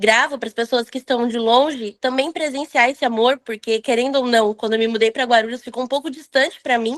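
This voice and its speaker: Over a quiet background, a woman with an unremarkable speaking voice talks at a fairly high pitch with fairly even intonation, the sound dry and close with no echo. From São Paulo state north coast, Brazil. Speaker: football fan, makeup brand promoter. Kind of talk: casual interview chat.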